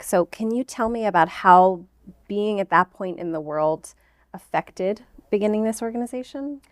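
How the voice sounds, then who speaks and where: A woman's voice: fairly low pitch, no echo, studio quality. A woman hosting a conversational interview in an engaged, affirming manner. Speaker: interviewer, host.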